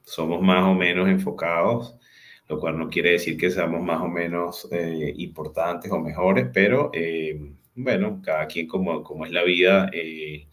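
A man in his forties with a Venezuelan accent, telling his life story as a guest on a video call, unhurried and full of hesitant fillers. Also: low-pitched, fairly even intonation, a bit bright. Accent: Venezuelan Spanish. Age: 40s. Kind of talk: personal storytelling in an interview. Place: home room with a large window. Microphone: video call webcam.

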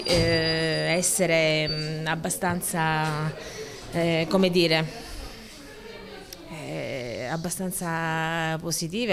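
A woman in her forties, an emergency room doctor, answering a reporter in a hospital corridor and hesitating over her words with many fillers and restarts. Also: fairly low pitch. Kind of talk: on-the-spot news interview. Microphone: handheld reporter microphone.

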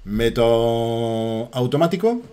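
A middle-aged man with a Spain Spanish accent tells rowdy stories on a gaming stream, swearing and joking throughout. His voice sits mid-range in pitch, and the room around him rings with echo. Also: lively intonation, slow pace, smooth. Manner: loud, swearing, jokey anecdotes. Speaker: streamer and voice actor. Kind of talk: casual livestream storytelling. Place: echoey room.

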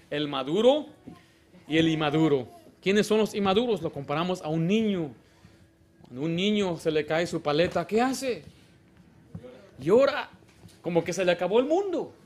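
A man preaching a sermon as pastor, animated, with sudden loud exclamations and quiet asides, and acting out other people in quoted lines. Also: fairly high pitch. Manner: acts out children and church members in quoted lines.

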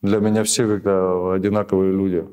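A man in his thirties, a prisoner of war being interviewed in a small office, answering in halting, rambling sentences full of restarts. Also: low voice, flat delivery, warm tone, smooth. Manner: hesitant, rambling, many restarts and fillers.

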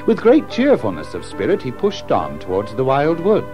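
A man's voice: mid-range voice, huge pitch swings, normal speed, muffled recording, music in the background. A man narrating a children's story in a theatrical, suspenseful manner. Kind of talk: dramatic scripted storytelling.

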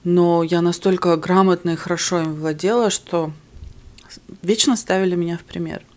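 Talking candidly to camera while she eats, this young adult mukbang vlogger sits indoors in her living room, the camera on the table ahead of her. Her first language is something other than Russian. Her voice is on the low side and darkish, with fairly even intonation and a moderate pace.

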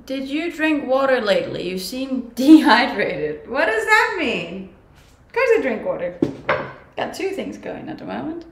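Young Danish-accented woman streamer, slightly high voice, relaxed chat, echoey kitchen. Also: a little slow. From Denmark. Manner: relaxed, chatty, laughs often. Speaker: livestreamer. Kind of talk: casual chat reading viewer comments. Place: home kitchen, indoors. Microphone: webcam at desk distance. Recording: echoey kitchen with faint background hum.

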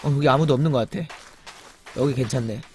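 A young man streaming a survival game, chatting with viewers, muttering to himself and crying out loudly when startled. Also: fast talker, a little hiss or hum. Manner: jumpy, exclaims loudly when startled, then mutters low; chats with viewers and reads the chat. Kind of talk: live game commentary.

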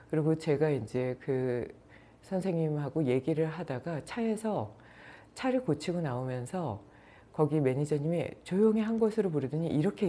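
A middle-aged woman teaches meditation by telling chatty, playful anecdotes. Her voice is low and mellow with a husky grain. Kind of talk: storytelling talk.

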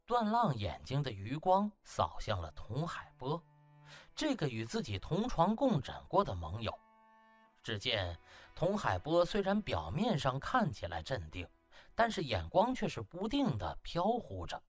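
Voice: mid-range voice, fairly bright tone, husky. A narrator reading a comic web novel in a theatrical, colloquial, exclamatory way. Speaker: audiobook narrator.

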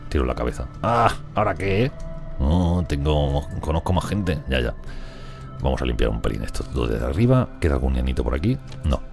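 A man's voice: a bass voice, very animated, a little fast, gravelly, over music. A man with a Spain Spanish accent giving rambling, chatty gameplay commentary and talking to his characters. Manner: rambling, chatty, talks to colonists. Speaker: gaming streamer. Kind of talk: casual let's play commentary.

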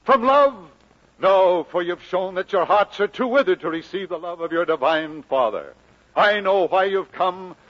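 An actor playing a solemn, declamatory preacher full of grief and conviction, in mid-century radio drama style. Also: male voice, high-pitched, expressive, moderate pace. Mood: thundering, indignant. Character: impassioned, grieving preacher leaving his valley, firm and commanding. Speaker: minister. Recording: muffled old radio recording.

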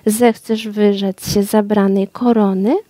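A woman voicing a small, wise and kind male nightingale in a storybook reading, speaking softly and tenderly. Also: mid-range voice, flat delivery, measured pace, no room sound, natural voice.

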